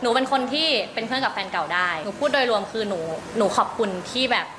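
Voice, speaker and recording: A woman's voice: on the high side, fast talker, noisy background. A woman answering an interview politely and earnestly. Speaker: interviewed celebrity.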